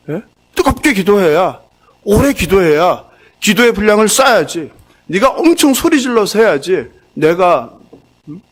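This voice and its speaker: A man with a high voice preaching to a church congregation. His pitch swings widely as he keeps questioning his listeners. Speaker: pastor. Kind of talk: sermon. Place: church sanctuary.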